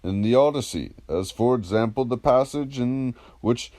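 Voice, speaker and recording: A man reading the part of a patient, ironic, probing philosopher in a dramatised dialogue, in a measured, declamatory, questioning manner. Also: mid-range voice, animated, mellow, natural voice.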